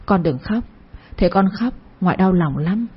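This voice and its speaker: A woman voicing the gentle ghost of an old grandmother who speaks softly and tenderly. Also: fairly low pitch, animated, normal speed, breathy edge, dull audio. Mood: soothing. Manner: soft, tender and consoling.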